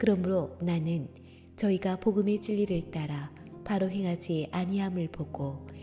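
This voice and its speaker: Music plays in the background as a woman speaks in a calm tone at a fairly slow pace with a fairly low pitch. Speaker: scripture reader. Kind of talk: reading aloud.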